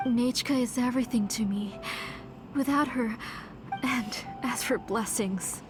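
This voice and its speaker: A high-pitched mother played by an actress, desperate with grief and clinging to denial. She falters with emotion in video game dialogue, with music clearly behind her. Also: unhurried, natural voice. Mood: anguished.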